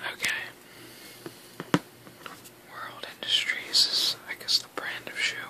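The delivery is very slow. It is whispered. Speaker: haul vlogger. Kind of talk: ASMR whisper shopping haul, casual talk to camera. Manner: whispered, soft. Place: home room. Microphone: phone near.

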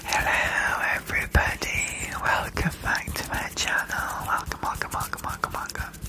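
Someone whispers at a moderate pace. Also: woman. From United Kingdom. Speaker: ASMR creator. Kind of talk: casual talk to camera. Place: home room. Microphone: studio mic.

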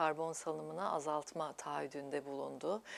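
A woman is speaking. Her pace is moderate. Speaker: TV news show host. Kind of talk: studio interview. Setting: studio.

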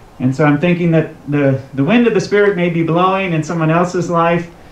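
Audible room echo surrounds a man who talks at a moderate pace with ordinary pitch variation. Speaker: pastor. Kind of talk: sermon. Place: waterside.

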